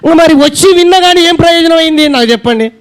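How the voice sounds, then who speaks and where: A man's voice: extremely high pitch, quick pace. A male pastor preaching a sermon, pressing his listeners with repeated rhetorical questions in an earnest, emphatic manner. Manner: repetitive rhetorical questions to the congregation.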